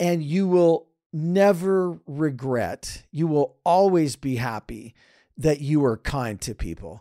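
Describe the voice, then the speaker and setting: Very clean and silent in the background, the recording captures a man with a dark, mellow tone and a fairly high pitch, whose intonation is lively and whose pace is very slow, all dry and close with no echo. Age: 60s. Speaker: podcast host. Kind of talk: interview conversation.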